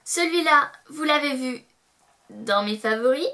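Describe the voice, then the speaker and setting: A young woman reviewing beauty products to camera, bubbly and excitable, breaking into playful sing-song repeats. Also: high-pitched, measured pace. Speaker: beauty vlogger.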